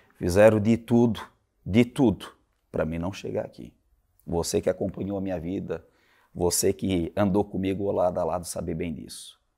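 Over a quiet background, a man with a dark, mellow tone and fairly low pitch talks at a moderate pace with ordinary pitch variation, big swings in loudness, and long, frequent pauses. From southern Brazil, Santa Catarina (Jaraguá do Sul); Santa Catarina, Brazil. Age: 30s. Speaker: local politician; newly elected councillor. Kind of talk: interview. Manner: halting, many fillers; emphatic, speech-like. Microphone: lapel.

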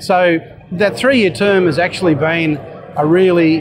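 A man speaks with an Australian accent and a fairly high pitch, using ordinary pitch variation. Noticeable background noise can be heard. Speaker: ag tech company founder and farmer. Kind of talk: presentation about company. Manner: hesitant with frequent fillers. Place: hall.

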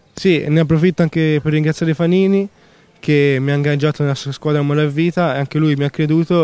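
A man talks at a fairly quick pace with a normal speaking voice and fairly even intonation. The sound is dry, with no echo. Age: young. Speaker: young cyclist. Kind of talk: interview. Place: garden.

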